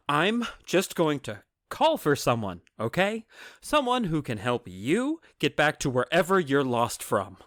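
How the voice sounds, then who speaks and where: A man's voice: a little high, very animated, measured pace, fairly bright tone, no echo, studio quality. A man playing an anxious young father in a naturalistic audio drama, hesitant and awkward in his talk. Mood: bewildered, upset. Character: anxious ordinary young father, former patient.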